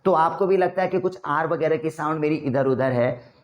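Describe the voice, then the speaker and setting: A young man with an Indian accent works as an interview trainer, giving a relaxed spoken lesson on job interviews in which he plays both parties. His voice is slightly high, his pace moderate, and the upper frequencies are cut off.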